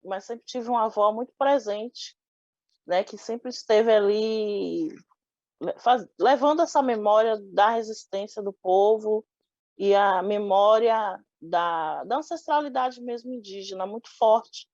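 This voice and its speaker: A woman's voice: mid-range voice, measured pace, a little mellow, no echo, highs cut off. A young woman from Salvador, giving an oral history interview and speaking thoughtfully with frequent restarts. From Salvador, Bahia, Brazil. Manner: thoughtful, many restarts and filler "né".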